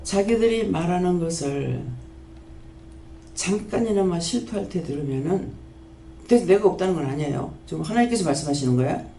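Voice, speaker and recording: Woman preacher, gravelly fry, firing rhetorical questions, roomy church hall, faint hiss behind. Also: lowish voice, expressive, warm tone. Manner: scolding, rapid-fire rhetorical questions. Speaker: pastor. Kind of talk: sermon. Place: prayer house church. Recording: echoey church hall, faint background noise.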